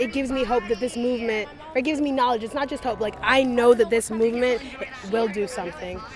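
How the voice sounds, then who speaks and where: A woman speaks very fast in a fairly high voice with fairly even intonation, while crowd noise carries on in the background. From Canada. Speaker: protester. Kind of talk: street interview.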